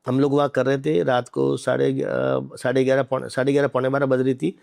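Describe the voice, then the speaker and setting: A male doctor telling a story in an interview, animated and acting out the dialogue, with English words mixed into his speech. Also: medium pitch, brisk, creaky.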